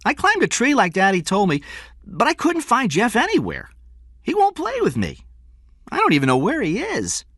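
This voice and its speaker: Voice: mid-range voice, huge pitch swings, moderate pace, fairly bright tone, no room sound, clean studio sound, pitched above the performer's own voice, full character voice. A narrator voicing an innocent, petulant young boy in a plaintive, childlike way. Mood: sulky.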